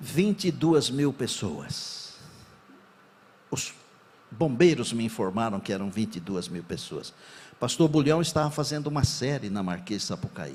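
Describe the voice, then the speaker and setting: A man with vocal fry speaks at a fairly slow pace, his pitch swinging very widely between long, frequent pauses. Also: medium pitch for a man. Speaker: pastor. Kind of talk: sermon.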